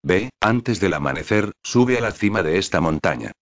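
A man voicing a mysterious man in black who speaks in a slow, measured, secretive way. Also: low voice, expressive, fairly bright tone, highs cut off.

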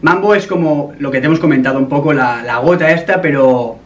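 A man's voice: a little high, fairly quick. A man in his twenties with an accent from Spain, explaining himself in casual, serious conversation and repeating phrases. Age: 20s. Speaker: YouTuber making a prank call. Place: indoor gaming room at a desk. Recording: slightly distant mic, faint noise.

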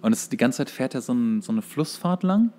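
A man co-hosting a podcast in casual conversation, often halting as he searches for words. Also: mid-range voice, sing-song, warm tone, a little hiss or hum. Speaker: podcast co-host. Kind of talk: casual podcast chat about cartoons.

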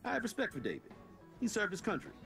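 An actor playing a friendly, gossipy middle-aged police officer in a video game. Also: male voice, high voice, huge pitch swings, fast, creaky, music in the background, full character voice. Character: chatty middle-aged small-town cop.

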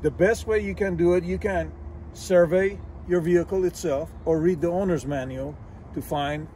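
Speaking at normal speed in a warm, high-sitting voice, an older master diagnostic technician explains car features step by step, plainly and methodically, with small slips. There's a little hiss or hum in the recording. The scene shifts from a dealership parking lot outdoors to the inside of a car.

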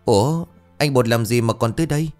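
A man's voice: medium pitch, brisk, a little mellow, faint music behind, lightly acted. A man voicing a puzzled young woman nurse who keeps asking questions in a told ghost story.

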